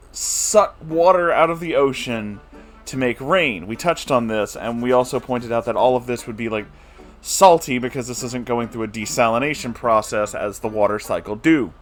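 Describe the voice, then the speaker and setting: A man giving a comedic recap of a book chapter, exasperated and incredulous, with laughing asides. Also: mid-range voice. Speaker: book reviewer.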